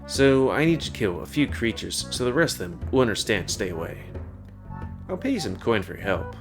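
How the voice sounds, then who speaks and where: A man's voice: medium pitch, big pitch swings, brisk, music in the background. A man voicing a confident male tavern bartender, speaking in a businesslike, reassuring way.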